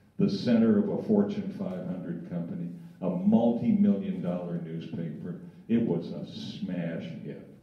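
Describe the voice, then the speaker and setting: A man speaks at a fairly slow pace with an American accent, his loudness swinging widely. The room echo is audible, though the background stays quiet. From New York City (Bronx); New York City. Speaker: newspaper columnist; guest, former journalist. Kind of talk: talk to an audience. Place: hall.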